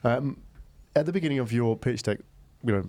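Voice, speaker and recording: A man's voice: mid-range voice, brisk, darkish tone, no room sound. A man hosting a conversational business interview in a studio, explaining at length and often checking in with tag questions. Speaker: host interviewer.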